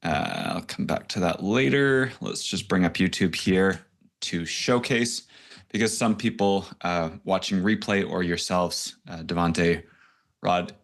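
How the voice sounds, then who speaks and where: Male webinar host, lower voice, casual and rambling, video call audio. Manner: rambling, self-deprecating, loose and chatty. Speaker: host and coach. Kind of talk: casual online coaching session.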